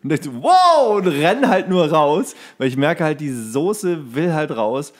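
A man's voice: on the high side, sing-song, takes it slowly. A man co-hosting a podcast, telling anecdotes in a loose, colloquial way. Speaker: podcast co-host. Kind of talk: casual chat, anecdotes.

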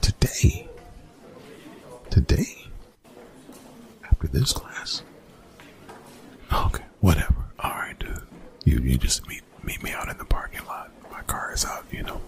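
A man playing a young college bully in an ASMR roleplay, gruff, defensive and grudgingly apologetic, in hushed, breathy, exasperated slang with swearing. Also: big pitch swings, a little slow, long pauses, heavily acted, rough recording. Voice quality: whispered, breathy, gravelly low voice.

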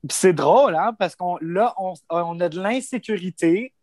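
A man's voice: high-pitched, moderate pace, darkish tone, dry recording. Chatty Franco-Ontarian man, dry sound. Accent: Franco-Ontarian French. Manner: loose and informal, full of "tu sais" and "comme". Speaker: panelist. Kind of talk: casual panel discussion.

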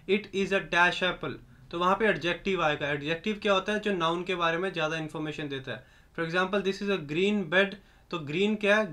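Young man, language teacher, high voice, bright tone, slow deliberate examples, explanatory lesson. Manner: reads example sentences slowly and deliberately; switches between Hindi explanation and English examples.

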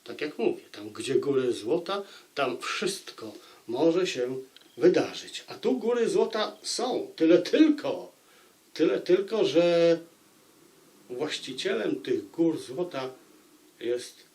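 A man giving an unscripted book review, speaking deliberately and repeating phrases for emphasis. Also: on the high side, lively intonation, a little mellow.

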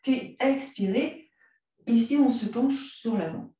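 A woman guiding a yoga class, giving calm, unhurried cues timed to the breath. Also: a little high. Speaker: yoga teacher. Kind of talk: guided yoga class instruction. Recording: very echoey room, mic far off.

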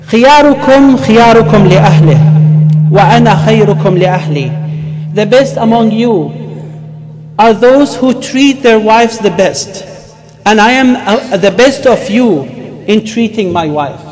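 A man in his thirties with an Arabic accent preaches as an imam, emphatic and halting, repeating words as he goes. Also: sits high, animated, a little mellow. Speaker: imam giving a Friday sermon. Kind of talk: sermon with Arabic recitation and English explanation. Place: mosque, speaking from a wooden pulpit.

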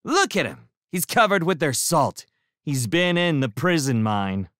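A man's voice: a bass voice, takes it slowly, breathy edge, dry recording, studio quality, pitched below the performer's own voice, full character voice. A man doing a sneering, snappish little spaceship crewman. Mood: snapping. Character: short sneering hostile male spacer.

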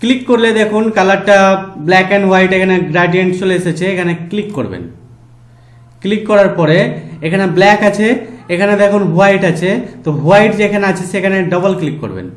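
Man slowly walking through software steps. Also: high voice, reverberant. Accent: Bengali. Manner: slow step-by-step instructions, fillers. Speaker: tutorial host. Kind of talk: screen-recorded software tutorial.

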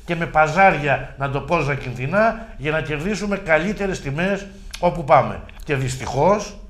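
Emphatic middle-aged man, rather high voice. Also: expressive, a bit bright. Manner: emphatic, argumentative, with rhetorical questions. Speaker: regional deputy governor. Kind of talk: local TV interview.

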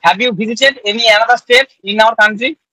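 High-voiced Indian man, dry sound. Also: fairly quick, sharp tone, dry recording, rough recording. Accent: Indian English. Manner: polite, repeats "yes, yes", addresses guest as ma'am. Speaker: host. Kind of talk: interview for English speaking practice. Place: indoor room by a window. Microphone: video call webcam.

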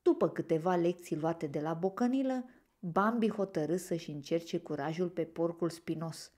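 Storyteller, woman, gentle expressive read-aloud of a children's book. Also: lowish voice.

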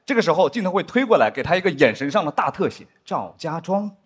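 A man performing a stand-up comedy set on a studio stage, acting out drama scenes with big pitch swings. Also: very animated, rapid-fire, very noisy. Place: studio stage with live audience.

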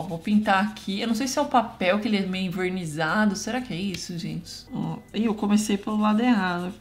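A woman, chatting casually to viewers as she tests art markers close up. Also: medium pitch. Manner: chatty, talks to viewers while drawing. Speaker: art youtuber testing markers.

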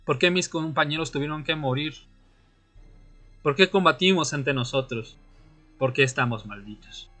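A man's voice: on the high side, moderate pace, long pauses, sharp tone, faint music behind. A man playing a weary but insistent fledgling vampire in a radio drama, dramatic and searching in his delivery. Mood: questioning. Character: young male vampire seeker, weary and insistent. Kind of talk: radio drama acting with narration.

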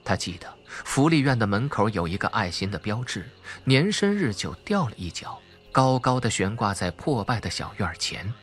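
A man's voice: lowish voice, fairly bright tone. A man reading a novel as dramatic scripted narration. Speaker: audiobook narrator. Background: background music.

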